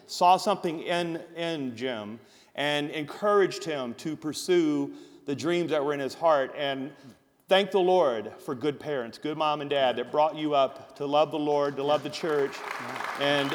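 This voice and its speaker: Pastor in a ringing hall before a crowd. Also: male voice, fairly high pitch. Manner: addresses the congregation directly. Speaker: pastor interviewing a guest. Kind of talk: on-stage interview. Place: large church auditorium. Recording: long hall reverb with faint crowd.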